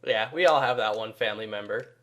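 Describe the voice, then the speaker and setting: A teenage man co-hosting a casual podcast chat, telling animated stories and laughing along. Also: on the low side, fast. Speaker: podcast co-host.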